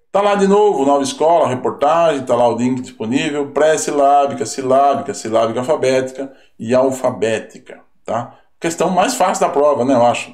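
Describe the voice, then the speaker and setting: A man with a Brazilian Portuguese accent teaches an online lesson reviewing exam answers, speaking in a mid-range, slightly mellow voice. He's conversational, asking rhetorical questions and tagging sentences with little question words, and the recording has a roomy echo.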